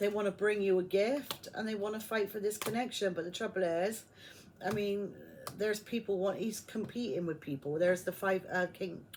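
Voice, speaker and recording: Speaking with a British accent, a woman keeps a medium pitch, fairly even intonation and a moderate pace. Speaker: tarot reader. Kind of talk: tarot reading. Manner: stumbling over words.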